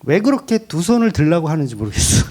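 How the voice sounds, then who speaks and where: A man's voice: fairly high pitch, big pitch swings, quick pace, darkish tone. A middle-aged man preaching a sermon as pastor, candid and joking, often laughing at himself.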